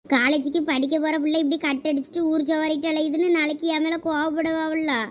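The recording is muffled, but the woman's high-pitched, level voice comes through a little fast and natural. A young adult with a Thoothukudi Tamil accent, she acts in a village comedy skit as a fretful college girl, scared of her father, nervously scolding her friend.

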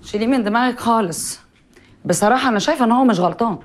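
A woman's voice: a little high, very fast, a little hiss or hum, close to an everyday voice. An actress playing a stern woman who scolds reproachfully with an Egyptian accent in a TV drama. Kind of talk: TV drama acting.

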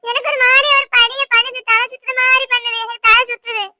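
A woman's voice: very high-pitched, level tone, fast, sharp tone, dry recording, full character voice. Woman voicing a dizzy young daughter-in-law. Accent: Tirunelveli Tamil.

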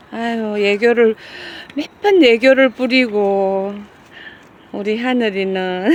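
Feeding the cats outdoors on a hillside, this middle-aged caretaker and channel host chats casually, repeatedly calling them with warm, coaxing affection. Her voice is medium in pitch, and there's a slight hiss or hum in the recording.

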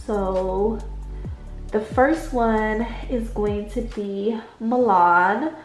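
Calling her viewers "y'all," a woman with a stuffy, medium-pitched voice walks them through her planner at an easy, unhurried pace. She's a budget-planning vlogger writing at her desk at home late at night, in an echoey room with faint background music.

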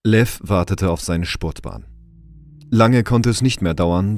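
A man's voice: low voice, a little mellow. A man reading scripted narration for a German audio drama.

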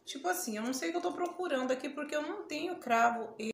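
A Brazilian woman with a Brazilian Portuguese accent and a somewhat high voice, talking a beauty tutorial straight to camera. She is chatty and exclamatory, quick to laugh or yelp. The sound is roomy, with a faint home hum behind her. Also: expressive, creaky. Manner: chatty, exclaims often, laughs and yelps when it stings. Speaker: beauty vlogger. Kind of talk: casual tutorial chat to camera. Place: home room, indoors.

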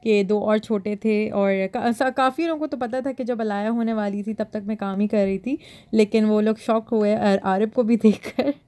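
A woman's voice: medium pitch, moderate pace, mellow. A woman in her thirties from Pakistan, talking casually to her viewers while she vlogs her day. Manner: chatty, addressing viewers directly. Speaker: vlogger. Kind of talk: casual vlog narration to camera. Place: indoor mall, then parked car.

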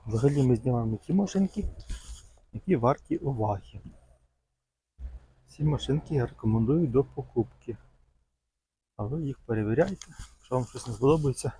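Gravelly-voiced man chatting outdoors. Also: medium pitch, warm tone, low-quality recording. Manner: chatty, fond of diminutives, loose and rambling. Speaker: vlogger showing cars for sale. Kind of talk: casual walk-around commentary. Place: outdoor car market.

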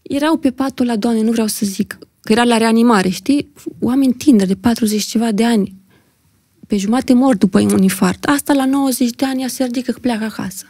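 Young woman guest on a podcast, highish voice, bit of fry, telling a story all dramatic, dry close mic. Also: dark tone, no echo. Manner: vivid, dramatic retelling, acting out what others said. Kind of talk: emotional personal storytelling in conversation. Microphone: podcast studio microphone.

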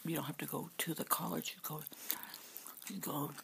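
A middle-aged woman telling a rambling story in a soft whisper while she eats between sentences. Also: low voice, level tone, normal speed, gravelly, slightly rough. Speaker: vlogger.

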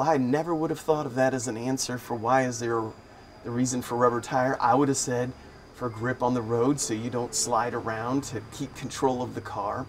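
A man chatting in a relaxed, wry and amused way as he tells everyday stories for his vlog. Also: mid-range voice, a little hiss or hum. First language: English. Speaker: vlogger. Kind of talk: casual storytelling vlog. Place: living in Thailand.

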